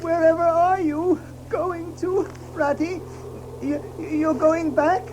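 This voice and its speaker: A woman playing a timid, homesick little male mole in a storybook audio drama, speaking plaintively and haltingly. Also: very high-pitched, fairly even intonation, noisy background. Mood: hesitant.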